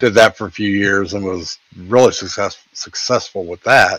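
Over a quiet background with a dry sound and no echo, a man with a Midwestern American accent speaks at a fairly slow pace in a fairly low pitch. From central Ohio. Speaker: retired police chief, sim racer; interview guest. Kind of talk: interview. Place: home room. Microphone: video call.

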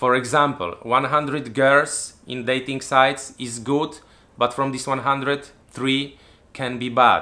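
Speaking very slowly, a man with a Polish accent has a bright, sharp tone. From Poland. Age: 40s. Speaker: travel vlogger. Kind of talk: casual chat. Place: home room.

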